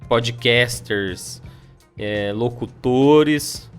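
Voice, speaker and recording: A man's voice: medium pitch, drawn-out words, faint music behind. A man with a Brazilian Portuguese accent co-hosting a podcast, chatting casually and agreeing with the guest. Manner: affable, agreeing interjections. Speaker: podcast co-host.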